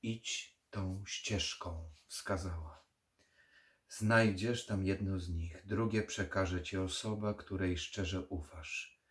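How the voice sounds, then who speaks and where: A man's voice: low voice, steady tone, takes it slowly. A man voicing the ghost of a sad mother who pleads and gives solemn warnings in an audiobook horror reading. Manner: pleading then solemn, foreboding.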